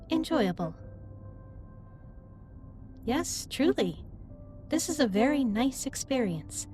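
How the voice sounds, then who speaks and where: A woman plays a female alien starship captain in a sci-fi roleplay, gentle and earnest. Her voice sits fairly high and moves in very lively swings of pitch. She words things formally and precisely, a little stiffly, as she talks directly to the listener. Faint music runs underneath. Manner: formal, precise, slightly stilted wording. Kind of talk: scripted roleplay audio, addressed to the listener.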